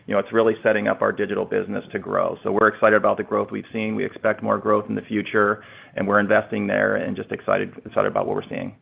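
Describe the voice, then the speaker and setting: A man's voice: lowish voice, little pitch movement, fast talker, creaky, husky. A man answering as a finance executive on an earnings call in informal corporate talk, over a narrow phone line. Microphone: conference call line.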